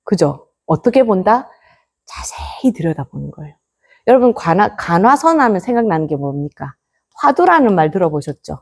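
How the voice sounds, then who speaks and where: A Buddhist nun giving a lecture to lay students, telling stories with rhetorical questions and dropping to soft near-whispers at the ends of phrases. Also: female voice, medium pitch, sing-song, brisk. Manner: storytelling with acted quotes and rhetorical questions.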